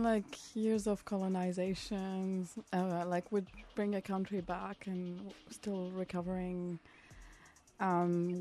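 A woman hosts a radio interview, speaking slowly and pausing often with friendly "um"s. Music plays clearly beneath her voice. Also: on the low side, a little mellow. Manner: friendly, hesitant with many "um"s. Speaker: radio host. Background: music playing.

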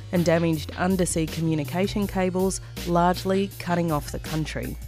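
Low-voiced woman hosting a radio show. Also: darkish tone. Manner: measured, formal presenting. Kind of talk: scripted radio introduction and interview.

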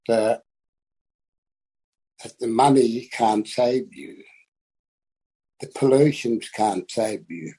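An older man with an Australian Aboriginal English accent gives unscripted personal testimony in a plain-spoken, halting, husky voice. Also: fairly low pitch, dark tone, poor audio. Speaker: community elder and land activist.

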